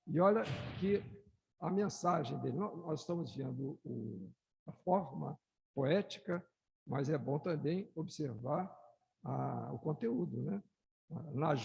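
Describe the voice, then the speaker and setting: A man with a Brazilian Portuguese accent giving a slow, explanatory lecture, raising his voice to recite verses. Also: vocal fry, darkish tone, husky. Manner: slow, explanatory, rises in pitch and volume when reciting verses. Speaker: lecturer at a spiritist study talk. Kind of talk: lecture with poetry readings. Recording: echoey hall with long reverb.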